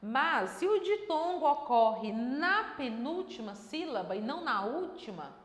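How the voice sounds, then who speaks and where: Female grammar teacher, higher voice, explanatory and checking in with the class, recorded in a roomy space with long reverb. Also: sing-song, measured pace. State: dry throat. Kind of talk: exam-prep grammar lesson. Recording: echoey room with long reverb.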